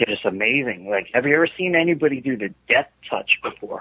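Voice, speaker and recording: This man talks with a New York accent at a moderate pace. His intonation is lively. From New York City, the Bronx. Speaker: martial arts instructor, event organizer. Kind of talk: interview. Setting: phone call.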